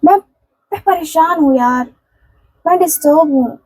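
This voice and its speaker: A woman's voice: high-pitched, measured pace, mellow, poor audio. A woman tarot reader speaking a channeled love message in the first person, earnest and pleading, repeating herself with casual fillers. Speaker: tarot and candle wax reader.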